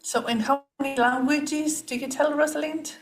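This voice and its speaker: A woman's voice: high voice, steady tone, moderate pace. A woman interviewing a guest as podcast host, in a casual conversational style.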